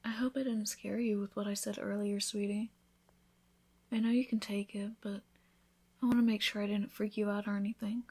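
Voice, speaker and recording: A woman playing a devoted newlywed vampire wife in an intimate ASMR roleplay, speaking softly, often in a whisper, with an affectionate, reassuring manner. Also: mid-range voice, little pitch movement, moderate pace. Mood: gentle, reassuring. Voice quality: soft, breathy, often whispered.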